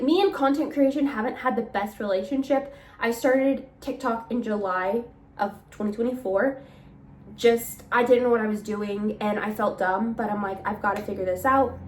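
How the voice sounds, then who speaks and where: Young woman, small business owner, chatty and rambling, slightly nasal, higher voice, roomy echo. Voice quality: chatty, rambling, laughs between phrases. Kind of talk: casual vlog chat. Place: home.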